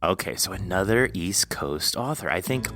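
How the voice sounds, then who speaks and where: A man's voice: sits low, lively intonation, normal speed, pushed and bright, faint music behind. A man hosting a podcast in a casual, effusive, rambling and jokey interview style. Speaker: podcast host.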